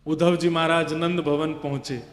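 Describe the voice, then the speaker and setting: A man's voice: fairly high pitch, level tone, moderate pace. A man telling a devotional story as a preacher, impassioned and building up through repetition. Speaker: religious storyteller. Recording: echoey hall with faint music.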